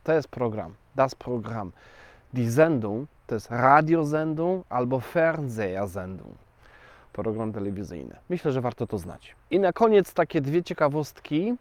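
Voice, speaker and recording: Slow-talking man teaching casually. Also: medium pitch, big pitch swings, no echo. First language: Polish. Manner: chatty, addresses viewers directly, slow and deliberate. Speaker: language teacher. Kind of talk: casual explanatory lesson.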